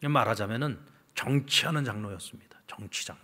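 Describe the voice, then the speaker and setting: Husky-voiced pastor preaching in a church hall. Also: male voice, mid-range voice, fairly quick. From South Korea. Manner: storytelling preacher, swings from loud to hushed. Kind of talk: sermon. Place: church sanctuary.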